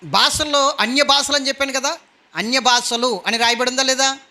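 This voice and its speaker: A male pastor delivers an emphatic sermon. His voice sits very high and rings bright and sharp. He keeps pressing the congregation with questions. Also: a little fast.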